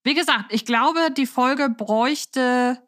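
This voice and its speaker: A woman's voice: high voice, takes it slowly, fairly bright tone, no echo, clean studio sound. A woman hosting a podcast in casual chat, speaking effusively with some searching for words. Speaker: podcast host.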